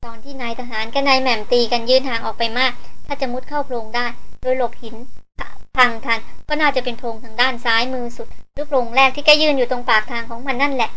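A woman's voice: sits high, fairly even intonation, fast talker, bright, forceful tone, slight background noise, poor audio. A woman voicing a weary old male jungle hunter who speaks humbly and pleadingly in an audiobook.

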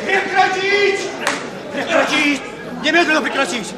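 Over a loud crowd comes a very high, echoing female voice, imperious and indignant. She shouts commands as a defender of the law in a radio play. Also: unhurried, heavy background noise. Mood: outraged. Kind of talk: Russian radio drama acting. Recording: roomy, echoing crowd scene.

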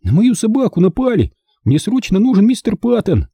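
A desperate little boy from a storybook, as a man voices him, raised high above the reader's own voice. He pleads urgently and thinly, and the sound stays close and dry. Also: wildly swooping pitch, normal speed, slightly rough, no room sound, exaggerated voice. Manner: pleading and shouting.

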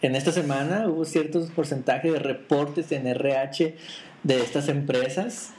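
A man hosting a podcast, talking casually and pausing to search for words. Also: on the high side, steady tone, a little mellow, poor audio. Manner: hesitant, searching for words, wraps up segments. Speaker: podcast host. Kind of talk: casual chat.

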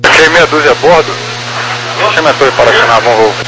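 A man's voice: mid-range voice, a little fast. A man with a Brazilian accent working as an air traffic controller, giving clipped procedural instructions over aviation radio, reading digits one by one.

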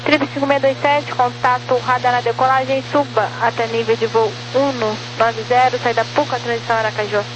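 Female Brazilian air traffic controller, highish voice, formal phraseology on crackly, humming military-style radio. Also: flat delivery, fairly quick, hardly any pauses. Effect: aviation radio transmission. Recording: noisy humming aviation radio.

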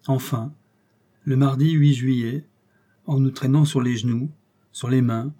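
Dark, husky-voiced male narrator. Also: mid-range voice. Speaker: audiobook narrator. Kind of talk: scripted narration.

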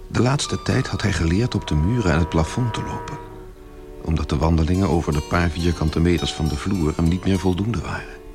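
Over clear background music, a calm radio play storyteller. He narrates from a script in a deep voice. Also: a little fast. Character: calm storyteller of a strange tale.

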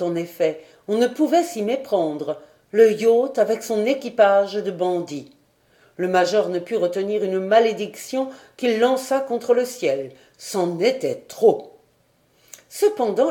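Mellow-voiced woman reading a classic novel. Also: medium pitch, measured pace. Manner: expressive, dramatic reading. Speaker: audiobook reader. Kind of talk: literary audiobook narration.

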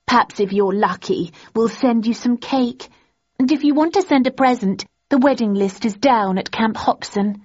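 A woman's voice: medium pitch, animated, normal speed, slightly rough, pitched above the performer's own voice. A woman reading an audiobook, voicing a smug, mocking young woman who talks down to her rival. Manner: disdainful, sneering. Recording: dull lo-fi recording.

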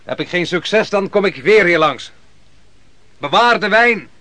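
An actor playing a proud, vengeful army commander in a radio play, with a boastful, commanding manner. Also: male voice, high-pitched, animated, a little slow, bright, forceful tone, a little hiss or hum, heavily acted. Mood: confident.

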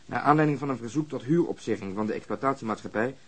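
A man's voice: medium pitch, quick pace, breathy edge, lightly acted. A man acting in a radio drama as a brusque, sardonic police detective with a matter-of-fact delivery. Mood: matter-of-fact, dry. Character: brusque, cynical, sarcastic male police detective.

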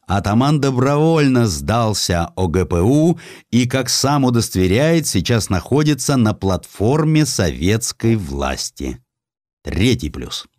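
A man reading a scripted historical narrative in a measured, grave storytelling manner. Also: mid-range voice, big pitch swings, a little mellow, no echo, clean studio sound. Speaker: audiobook narrator.

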